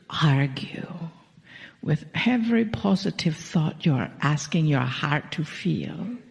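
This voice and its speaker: A woman delivers a channeled spiritual message to an audience at a very unhurried pace, her voice gravelly and slipping into soft whispers on key phrases. The sound rings with long hall reverb and has a dull, lo-fi tone. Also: on the low side.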